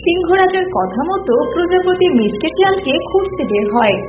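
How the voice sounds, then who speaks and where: A woman narrates a children's story in a high, animated voice. The recording is dull and echoey, with music clearly behind her. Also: moderate pace.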